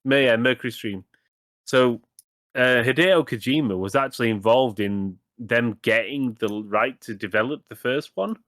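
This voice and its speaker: A man's voice: medium pitch, normal speed, fairly bright tone, no echo. Guy rambling about games on a podcast, restarts a lot, mid voice, dry. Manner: rambling, self-correcting, swears casually. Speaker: podcast co-host. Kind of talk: casual gaming podcast chat.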